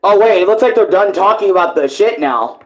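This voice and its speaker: A man streaming a live reaction, talking casually and with plenty of slang. He swears freely and keeps an animated, informal manner as he comments. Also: high-pitched, brisk.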